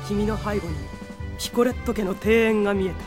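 A woman playing a pompous rich high-school boy who fancies himself a film director, grandiose and formal, in an anime audio drama. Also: fast talker, over music, natural voice.

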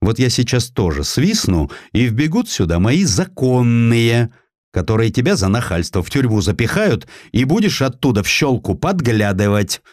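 A man's voice: medium pitch, big pitch swings, normal speed, darkish tone, no room sound, studio quality, lightly acted. A man as a haughty, imperious grand-duke general. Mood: threatening. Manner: abrupt, threatening, commanding.

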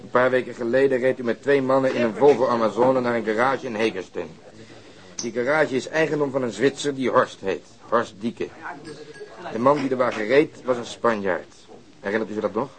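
An actor playing a composed, persistent police detective in a radio crime drama, polite, firm and matter-of-fact. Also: male voice, mid-range voice, a little fast, close to an everyday voice. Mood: calm, firm.

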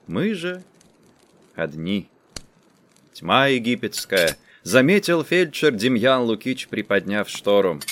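A man reading a literary story aloud as an audiobook narrator, in an expressive and dramatic way. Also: medium pitch, measured pace, a little hiss or hum.

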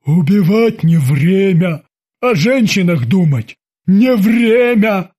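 A man's voice: high voice, expressive, unhurried, voice pushed up. A man voicing a burly, dim-witted, childish henchman with a whiny, naive way of pleading. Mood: naive eager.

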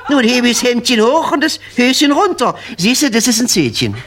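Man telling jokes, lively voice. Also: very high voice, a little fast, very noisy. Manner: keeps tagging lines with "nicht wahr?" and "hm?". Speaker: joke teller. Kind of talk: stand-up joke telling.

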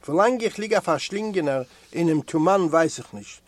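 A man from Eastern Europe reads a first-person memoir aloud in a measured, storytelling manner. His voice sits a little high for a man. The recording is close and dry, with no room sound. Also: lively intonation, dry recording. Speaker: audiobook reader. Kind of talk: literary reading of a memoir.

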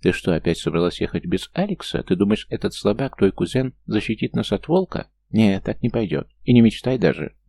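A man reading an audiobook voices a tiny male gnome trickster who is petty, squeaky and whines indignantly. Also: lively intonation, fairly quick, gravelly, hardly any pauses, mellow, dry recording.

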